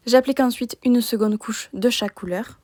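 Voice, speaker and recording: A woman calmly narrating a step-by-step nail art tutorial as a voice-over, in a plain explaining tone. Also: fairly high pitch, normal speed, dry recording, studio quality.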